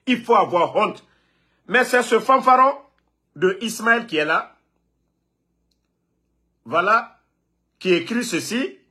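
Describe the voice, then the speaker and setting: A man's voice: sits high, sharp tone. A man from Guinea, ranting and scolding a rival on a live phone video, repeating himself. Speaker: political online commentator.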